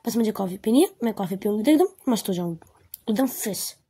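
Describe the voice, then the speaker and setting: A woman voicing a caring young woman who fusses and gently scolds her partner in a spoken love story. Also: medium pitch, lively intonation, fast talker, husky. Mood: fussy. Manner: fussy, protective, breezy.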